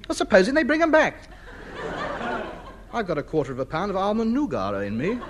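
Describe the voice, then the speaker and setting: A man's voice: high-pitched, wildly swooping pitch, brisk. An actor playing a pompous, self-important man in a 1950s radio sitcom, blustering and grandiloquent. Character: pompous, self-important middle-aged man hoarding junk. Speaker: comedy lead. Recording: noisy old radio broadcast.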